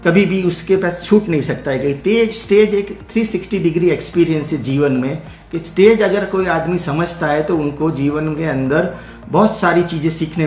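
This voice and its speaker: A middle-aged Indian man, a theatre producer acting as session host, leads a live talk haltingly, with plenty of fillers, restarts and English phrases. His voice is slightly high, and the room echoes around him over faint background music.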